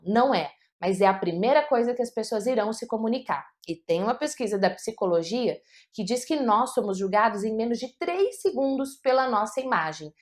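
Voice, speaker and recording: High-voiced woman coaching public speaking. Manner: emphatic, direct address to viewer with rhetorical questions. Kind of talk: motivational teaching talk.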